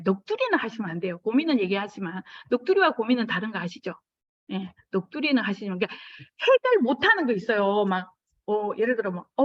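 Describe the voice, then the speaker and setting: A middle-aged woman speaks to a group about business, her fairly high voice leaping up whenever she acts out a remembered exchange. The recording is dry and a little dull. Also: no echo. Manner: animated, acts out dialogue with sudden high pitch jumps. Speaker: business mentor giving a talk. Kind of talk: lively motivational talk with acted anecdotes.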